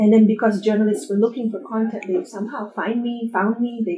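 Fairly high female voice with ordinary pitch variation and noticeable background noise. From Indonesia. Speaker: arts producer. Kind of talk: casual interview.

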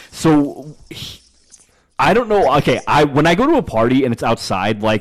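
The pace stays moderate. The speaker is a man. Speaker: podcast co-host. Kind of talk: casual chat. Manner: loud.

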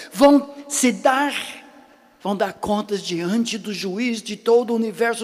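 Over noticeable background noise, a man with an extremely high voice speaks fairly slowly with ordinary pitch variation. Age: 60s. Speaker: pastor. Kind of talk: sermon.

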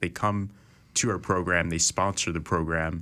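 In a very clean recording with a silent background, a man with an American accent speaks at a moderate pace, his very deep, low pitch paired with a bright, sharp tone. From US Northeast, Philadelphia area. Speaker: YouTube creator and student. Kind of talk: casual interview.

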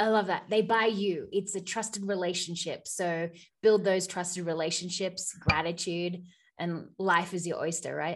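Against a quiet background, a woman with an Australian accent talks in an animated, enthusiastic tone. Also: medium pitch for a woman, moderate pace. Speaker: podcast host. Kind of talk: casual interview.

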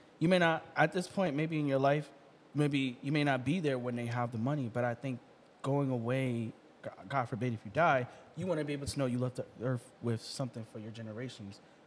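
Speaking at a fairly quick pace, a man uses a plain, everyday voice at medium pitch with ordinary pitch variation. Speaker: podcast co-host. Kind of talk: casual chat. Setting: studio.

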